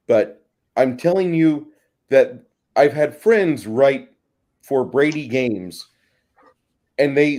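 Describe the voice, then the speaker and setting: A man's voice: medium pitch, dark tone. A middle-aged man chatting casually and telling rambling, sweary anecdotes as a co-host of a gaming show. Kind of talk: casual chat.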